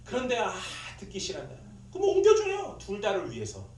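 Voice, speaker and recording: Animated male pastor preaching in an echoey church. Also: high-pitched, fairly quick, distant mic. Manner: animated, acts out scolding in quoted lines, laughs at own stories. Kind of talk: sermon. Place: church sanctuary. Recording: echoey room, speaker away from mic, faint noise.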